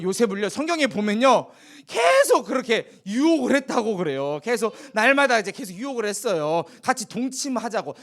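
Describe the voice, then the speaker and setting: A man preaching a children's sermon, telling a Bible story and asking the children questions as he goes. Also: high voice. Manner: animated, asks the children questions.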